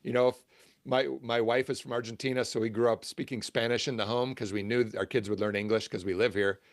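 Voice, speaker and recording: A man's voice: medium pitch, little pitch movement, a little fast, no room sound, clean studio sound. A middle-aged man, a guest author and church trainer, giving enthusiastic explanatory answers and often restarting his sentences. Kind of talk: interview answers.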